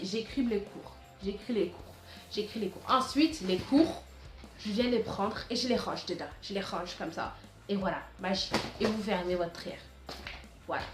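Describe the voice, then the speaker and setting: A woman's voice: medium pitch, roomy sound. A teenage girl vlogging casual back-to-school tips in a chatty, rambling way, full of restarts and fillers. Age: teens.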